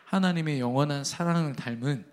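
Guy preaching a sermon, kinda high voice, emphatic, swings from loud to quiet. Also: fairly quick. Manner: emphatic, rising to loud exhortations then dropping low; tells a family anecdote with quoted dialogue.

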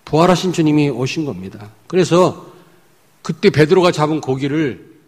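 A male pastor preaching a sermon emphatically, swinging between loud points and hushed asides. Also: fairly high pitch, lively intonation, moderate pace, slightly rough. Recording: echoey hall.

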